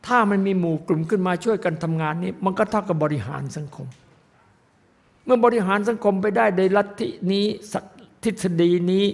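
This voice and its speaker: A man's voice: high-pitched, gravelly. An older man, a monk, preaching a sermon in an emphatic, rambling way, repeating himself for emphasis. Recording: echoey hall.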